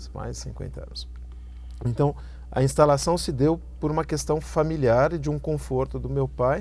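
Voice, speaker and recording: A man at a moderate pace with long, frequent pauses. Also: big swings in loudness. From Brazil, São Paulo and ABC region (São Bernardo do Campo). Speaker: professor. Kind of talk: interview. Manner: hesitant, many fillers.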